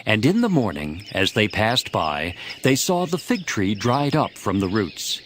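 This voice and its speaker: A man reading scripted scripture narration in a measured storytelling manner for a dramatized Bible recording. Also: fairly low pitch, very animated.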